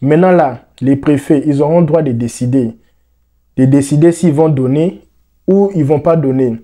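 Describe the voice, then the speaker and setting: A young Congolese man explaining the news to the camera, with lots of repeated words and fillers, on a lapel mic in a dark room. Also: fairly high pitch, moderate pace. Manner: animated, repeats words, many "euh" fillers. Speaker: vlogger.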